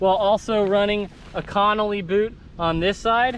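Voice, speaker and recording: Over light background noise, a man with a high pitch speaks with fairly even intonation. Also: dry sound with no echo. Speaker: vlogger filming friends. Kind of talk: casual vlog chat. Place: open country. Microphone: phone near.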